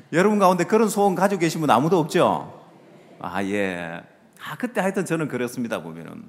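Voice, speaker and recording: Animated pastor preaching in an echoing hall. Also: male voice, moderate pace. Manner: lively, rhetorical questions to the audience, trails off with low asides. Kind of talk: sermon. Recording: long reverb of a large hall.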